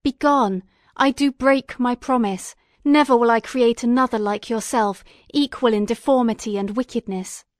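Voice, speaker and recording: A woman voicing a defiant, furious young male scientist in an audiobook reading, speaking forcefully and indignantly. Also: a little high, moderate pace, hardly any pauses, dry recording, clean studio sound, close to an everyday voice.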